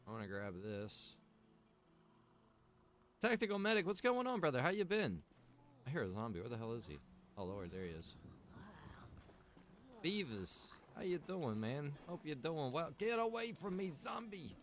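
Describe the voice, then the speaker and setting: A man's voice: on the high side, normal speed, pauses often, a little hiss or hum. A man streaming a survival game, chatting casually and rambling to his viewers while he plays. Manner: relaxed, rambling, greets chat viewers by name.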